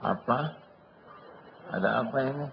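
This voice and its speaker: A man preaching to a live congregation, animated, with sudden quick voices for the people he describes and a soft hush when he prays. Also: mid-range voice, vocal fry, slight background noise. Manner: animated, acts out husbands, bosses and debtors in quick voices; drops to a soft hush for prayers. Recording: dull lo-fi sound.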